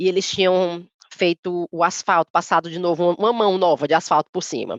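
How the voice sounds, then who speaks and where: A woman with a fairly low pitch talks at a fairly quick pace and fairly even intonation, in a dry, close sound with no echo. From Ceará, Brazil. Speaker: content creator. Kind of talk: casual chat.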